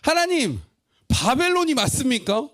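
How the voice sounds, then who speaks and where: A man's voice: very high-pitched, very animated, measured pace, a bit bright, a little hiss or hum, pitched above the performer's own voice, exaggerated voice. A man voicing an anguished male prophet who pleads and protests to God in indignant questions during a sermon. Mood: indignant pleading.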